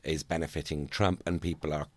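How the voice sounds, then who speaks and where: A man with a very low voice speaks as a panel guest, measured and analytical as he explains his view. He is recorded close and dry, with no room sound behind him. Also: level tone, a little mellow, no echo. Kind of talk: casual panel chat.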